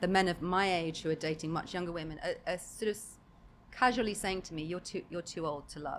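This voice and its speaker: The speaker has a British accent and ordinary pitch variation. Delivery is at a moderate pace. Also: woman. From UK. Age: 50s. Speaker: guest on interview show. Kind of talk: casual interview chat. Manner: animated.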